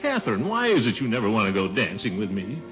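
A man's voice: on the low side, huge pitch swings, fast, a bit bright, faint music behind. An actor playing a pompous middle-aged bachelor courting his sweetheart in a 1950s radio sitcom, dull old broadcast sound. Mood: coaxing. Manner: coaxing, blustery. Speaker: title character.

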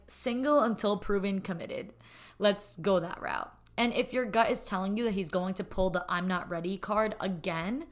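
A woman with a raspy voice hosting a casual advice podcast, chatty and emphatic, often peppering her talk with "like". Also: mid-range voice. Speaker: podcast host.

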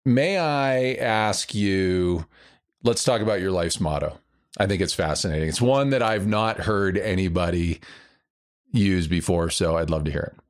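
Male interviewer, deep voice, calm and measured. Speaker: podcast host.

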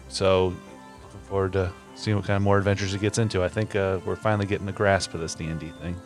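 A man with a lowish voice talks as a player at a tabletop game. He is relaxed and laughs easily. Faint music plays in the background. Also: quick pace. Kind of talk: casual tabletop game chat.

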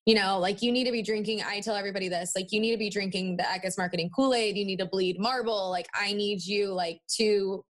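A woman's voice: mid-range voice, fairly even intonation, fairly quick, few pauses. A woman in her twenties chatting as a podcast interview guest in a valley-girl manner, peppering her talk with "like" and "you know". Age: 20s. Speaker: interview guest, marketing agency owner. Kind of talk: casual podcast interview chat.

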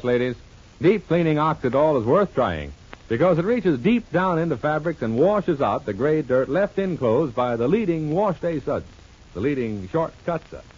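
A man announcing on an old radio broadcast, pitching a product and then narrating the soap opera in an emphatic, selling manner. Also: a little mellow, slightly rough. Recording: dull lo-fi old radio recording, faint music.

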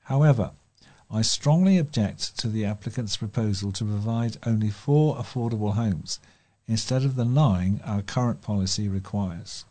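This is a British man with a fairly low voice and a very soft, mellow tone. He reads scripted local news and letters as a volunteer newsreader. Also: moderate pace. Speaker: volunteer newsreader for a talking newspaper.

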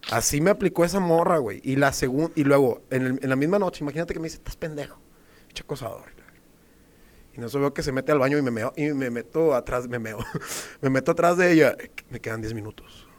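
A man's voice: medium pitch, brisk. Slangy young man telling a story. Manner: slangy, laughing, swearing often. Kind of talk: casual storytelling chat.

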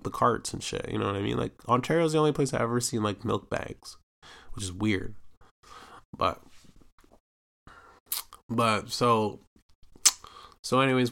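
A man's voice: mid-range voice, creaky, a bit bright. Rambling young man telling stories. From Canada. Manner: rambling, full of filler tags and profanity; acts out quoted voices animatedly. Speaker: podcast host. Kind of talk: casual storytelling monologue.

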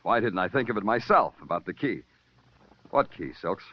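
An actor playing a world-weary, hard-boiled detective who narrates in wry, poetic lines, in a 1940s radio drama. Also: male voice, fairly low pitch, big pitch swings, normal speed. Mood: dry, wry. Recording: dull lo-fi 1940s radio recording with music.

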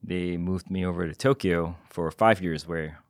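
Low-voiced Singaporean man, measured answers. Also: no room sound. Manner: measured and modest, with frequent hesitations. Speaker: guest. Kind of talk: interview answers. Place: podcast studio.

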